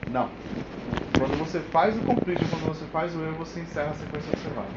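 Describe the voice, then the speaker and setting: A man's voice: on the high side, fast. Male tech presenter, Brazilian accent, colloquial and informal, checks in often; roomy, noisy recording. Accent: Brazilian Portuguese. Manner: colloquial, frequent check-in tags. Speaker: developer giving a technical talk. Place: indoor meetup room with whiteboard. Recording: echoey room, dull sound, clear noise.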